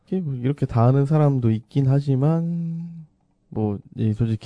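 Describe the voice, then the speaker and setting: Over a quiet background, a man's medium-pitched voice carries a dark, mellow tone and lively intonation. The sound is dry and close, with no echo. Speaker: podcast co-host. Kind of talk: casual chat.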